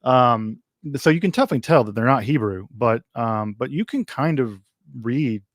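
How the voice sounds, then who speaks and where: A man's voice: mid-range voice, expressive, normal speed, no room sound, clean studio sound. A man hosting a casual livestream Q&A, answering viewer questions in a rambling way with many ums, restarts and wry asides.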